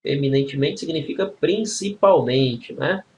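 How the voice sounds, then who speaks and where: A man's voice: on the high side, measured pace, slight background noise. A man teaching a grammar exam-prep lesson, explaining spelling rules step by step and checking in with frequent tag questions.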